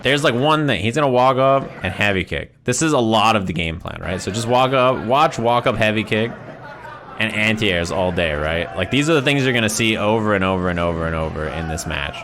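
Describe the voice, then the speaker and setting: A man's voice: fairly low pitch, lively intonation, fairly quick, noisy background. A man giving casual, conversational fighting game commentary on a livestream, repeating phrases for emphasis and often checking in with "right?".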